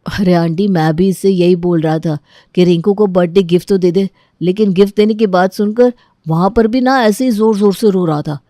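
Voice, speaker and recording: A woman's voice: medium pitch, normal speed, dark tone, dry recording, studio quality, natural voice. A woman voicing a chatty older boy in a storybook tale, explaining things in a telling-on tone. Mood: tattling.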